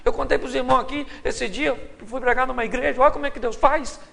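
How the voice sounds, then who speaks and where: High, gravelly Brazilian preacher man. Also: steady tone, fast talker, sharp tone, a little hiss or hum. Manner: playful, joking storytelling with frequent laughter. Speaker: pastor. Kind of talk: humorous sermon. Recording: reverberant live hall recording.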